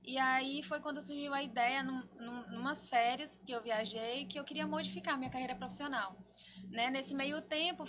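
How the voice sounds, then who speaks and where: A woman's voice: high voice, fairly bright tone. A Brazilian woman from Maranhão, talking casually as a guest in an interview. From Maranhão, northeastern Brazil. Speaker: cosmetics entrepreneur guest.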